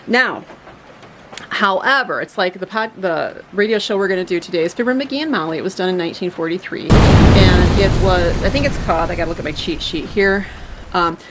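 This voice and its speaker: A woman's voice: medium pitch, slight background noise, rough recording. A woman hosting a family homestead channel, talking casually and chattily with many fillers and restarts. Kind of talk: casual talk to camera.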